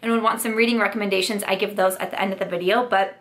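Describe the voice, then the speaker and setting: A young woman talks through a casual beauty review, frank and full of fillers. Her voice is strained from a sore throat she keeps mentioning. She sits at an ordinary middle pitch. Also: fairly even intonation, very fast, a bit bright. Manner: chatty, frank, filler-heavy with likes. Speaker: beauty vlogger.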